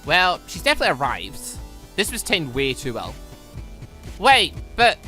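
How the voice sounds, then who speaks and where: Bright, animated gaming commentator. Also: medium pitch, normal speed. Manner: animated, rambling, self-questioning asides. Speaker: gaming channel host. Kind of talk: let's play commentary, reading game dialogue aloud. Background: game music.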